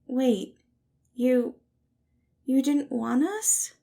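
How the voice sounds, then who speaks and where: A sweet, soft-hearted man played by a woman, pitched well up and brimming with affection. He speaks with eager, tender cheer, as a character in an audio story. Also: lively intonation, extremely slow, vocal fry, full character voice. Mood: hurt surprise.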